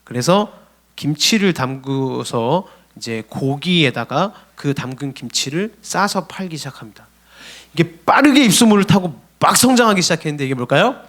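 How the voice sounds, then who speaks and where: High-voiced young male preacher. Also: normal speed. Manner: lively, storytelling preacher addressing youth. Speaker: junior pastor. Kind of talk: sermon. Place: church sanctuary.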